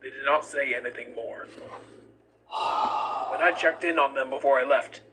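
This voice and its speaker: A man's voice: medium pitch, moderate pace, noisy background, natural voice. A man voicing a weary, detached skeleton scientist who narrates a formal journal in a comic dub. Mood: detached, reflective. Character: cold, clinical male skeleton scientist captor, weary, detached.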